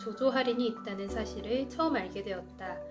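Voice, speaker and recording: With music in the background, a woman speaks in a calm, soothing tone at a fairly high pitch. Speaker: announcer. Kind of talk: audiobook reading of an essay.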